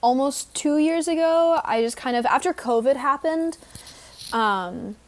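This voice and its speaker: A young woman speaks in an easygoing, conversational way as an interview guest. Her speech is loose and relaxed, sprinkled with filler words and small restarts. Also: sits high, measured pace. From Houston, Texas. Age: young adult. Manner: casual, lots of "like" fillers. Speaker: guest actor. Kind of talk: casual interview chat.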